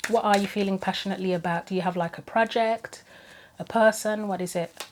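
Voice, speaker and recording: A woman giving a chatty solo tarot reading and reading guidebook passages aloud, her voice going hoarse. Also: mid-range voice, steady tone, fairly quick, slight background noise. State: losing her voice, throat going. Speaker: tarot reader.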